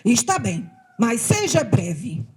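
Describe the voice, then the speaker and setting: A woman from voicing a stern, hardworking female ant who barks orders in a scolding, brisk way. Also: a little high, very animated, husky, full character voice. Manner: scolding, brisk, loud commands.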